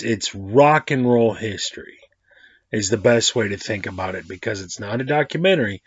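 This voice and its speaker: A man's voice: on the low side, breathy edge, dry recording. A man in his forties hosting his own movie review vlog, rambling in a slangy, casual way and often correcting himself mid-sentence. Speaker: host of a movie review channel. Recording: dry, slightly dull lo-fi audio.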